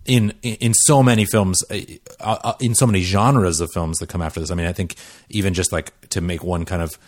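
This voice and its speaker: Deep-voiced man, eager film chat. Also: steady tone, fairly quick, dry recording, studio quality. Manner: enthusiastic, rambling with many restarts. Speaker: podcast panelist. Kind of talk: casual film discussion.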